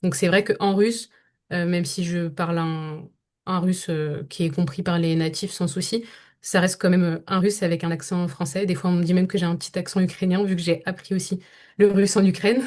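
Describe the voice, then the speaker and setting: A young woman with a fairly low voice answers interview questions about her voice-over work. She thinks aloud, stops often and restarts her sentences. She speaks French as her first language. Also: steady tone, brisk, darkish tone. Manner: thoughtful, many hesitations and restarts. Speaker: voice-over actress, guest. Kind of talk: podcast interview conversation.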